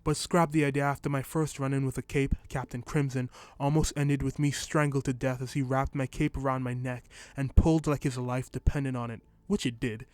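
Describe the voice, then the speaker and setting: A man narrates a first-person short story, reading at a steady, even pace. His voice sits in a middle pitch. The sound is dry and close to the mic. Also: a little fast, hardly any pauses, no echo.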